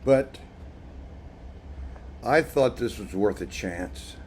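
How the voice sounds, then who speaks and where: A man with a fairly low voice talks very slowly through an unboxing video. His manner is casual and wry, and his throat sounds irritated. There is faint noise behind him. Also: expressive, a little mellow. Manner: wry, chuckling at own remarks. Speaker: video blogger. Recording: noticeable background noise.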